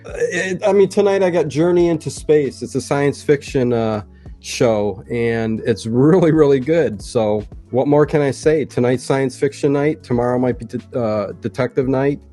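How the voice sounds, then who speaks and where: A man's voice: medium pitch, moderate pace, mellow, faint music behind. A man chatting casually as a guest, sounding modest and appreciative. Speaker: guest, radio show channel owner. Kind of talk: casual chat.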